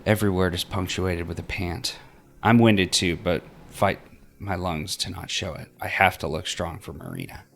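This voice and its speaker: A man narrating a story game aloud as a let's play host, expressive in his reading. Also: low-pitched, normal speed, vocal fry.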